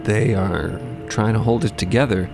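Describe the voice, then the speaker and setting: A man narrating a fiction podcast in the present tense, in a measured, suspenseful storytelling manner. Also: on the low side, gravelly. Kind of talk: dramatic scripted-style co-narration, present tense. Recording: loud music bed behind narration.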